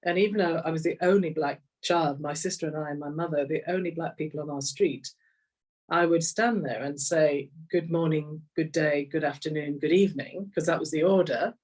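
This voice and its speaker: A woman's voice: deep voice, steady tone, moderate pace, a little mellow, distant mic, low-quality recording. A middle-aged woman with an English accent tells personal stories conversationally, reflective and repeating phrases for emphasis. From Kenya, later rural England. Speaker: interview guest, executive coach.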